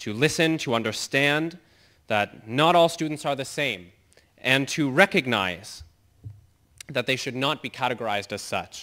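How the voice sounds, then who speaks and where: At a moderate pace, a man with a Canadian accent and a bright, sharp tone speaks with long, frequent pauses. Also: medium pitch for a man, lively intonation, very clean recording, silent background. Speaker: student. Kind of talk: conference speech. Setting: stage with audience.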